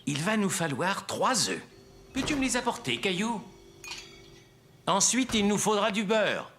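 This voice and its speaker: An actor playing a kindly, obliging grown man, a neighbour who babysits, genial and gently expressive in a children's cartoon. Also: mid-range voice, a little slow, a little hiss or hum. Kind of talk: French children's cartoon dialogue. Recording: music behind.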